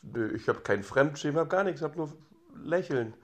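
A man's voice: a little high, expressive, moderate pace. A man chatting casually as a football podcast panelist. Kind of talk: casual chat.

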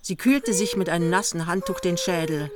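A woman reading literary narration for a radio play in a measured, matter-of-fact way. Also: lowish voice, lively intonation, noisy background, close to an everyday voice. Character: composed female storyteller narrating a young East Berlin couple's honeymoon.

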